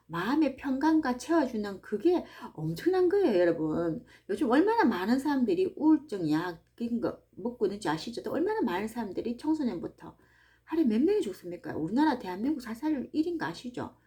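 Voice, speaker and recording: A woman, hosting a book-reading channel and talking in a chatty, animated way about faith and daily life, speaking straight to her listeners from a small farm hut. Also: fairly high pitch. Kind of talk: casual devotional talk to listeners.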